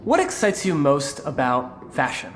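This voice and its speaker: A woman interviewer firing off short, upbeat questions in quick succession. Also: low voice, huge pitch swings, slight background noise. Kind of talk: quick street-style questions.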